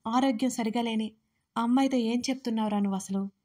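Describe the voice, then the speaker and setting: A woman voicing a stern, short-tempered young man who scolds loudly and speaks curtly. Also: on the high side, flat delivery, fairly quick, close to an everyday voice. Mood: scolding. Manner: scolding, loud and curt.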